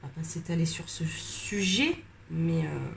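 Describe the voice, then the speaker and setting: A woman with a lowish voice talks casually at her desk as she colors. She sounds tired and a little stuffed up. Her talk rambles, full of hesitations and pauses. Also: lively intonation, gravelly, slight background noise. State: tired and slightly congested. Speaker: coloring vlogger. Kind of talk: casual chat while coloring on camera.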